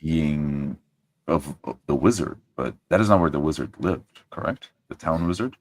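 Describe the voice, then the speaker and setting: A formal, inquisitive adventurer from a tabletop game, voiced by a man. The voice is extremely low and rough-edged, with lively swings in intonation. Questions are put deliberately and gravely. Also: exaggerated voice. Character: formal, probing adventurer investigating a mystery.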